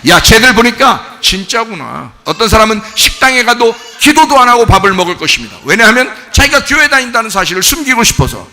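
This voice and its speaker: Male pastor, bright high voice, swinging pitch, preaching in a reverberant church hall. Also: sing-song, fast, few pauses. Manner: emphatic preaching with rhetorical questions, acts out dialogue. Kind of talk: sermon. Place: church sanctuary.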